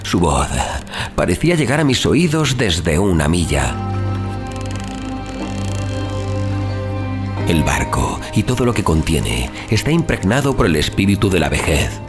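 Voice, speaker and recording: A man playing an anguished young adventurer, narrating a horror sea tale in a theatrical, literary, intense style. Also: sits low. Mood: brooding, uneasy. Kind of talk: dramatic horror audiobook narration. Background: music.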